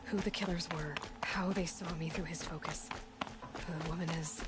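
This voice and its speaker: A woman's voice: deep voice, fairly even intonation, normal speed, very noisy, natural voice. A young woman voicing a resolute, guarded tribal huntress in a video game, with a dry, terse delivery. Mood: brooding, resolute. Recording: loud music bed under the voice.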